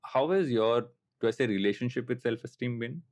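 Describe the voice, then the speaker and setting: A man's voice: mid-range voice, expressive, brisk. A man in his late thirties with a Telugu Indian accent, talking casually and reflectively as a podcast host, anecdotal and self-deprecating. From coastal Andhra Pradesh, India. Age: late 30s.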